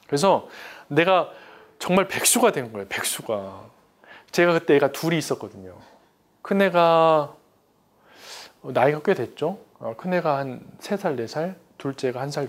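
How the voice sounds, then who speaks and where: Man, middle-aged, preacher, testimony sermon, emphatic, pleading outbursts, slightly high voice. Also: expressive, normal speed. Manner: emphatic, swings into loud pleading prayers.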